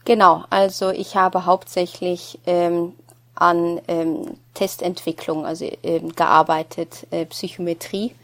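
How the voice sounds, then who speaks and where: A middle-aged woman from Norway, a native Norwegian speaker, talking as a podcast guest, halting and searching for words. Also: on the low side, level tone. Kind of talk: casual podcast conversation.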